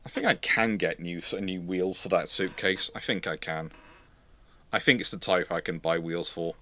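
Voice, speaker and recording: A man with a fairly low voice speaks in a casual live question-and-answer style, as a history host would. The sound is dry, with little room on it. He thinks out loud conversationally, often asking himself questions. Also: steady tone, moderate pace, no echo.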